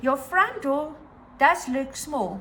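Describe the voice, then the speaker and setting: In a put-on character voice, a woman sounds squeaky and high-pitched, her pitch swinging very widely over light background noise. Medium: read story.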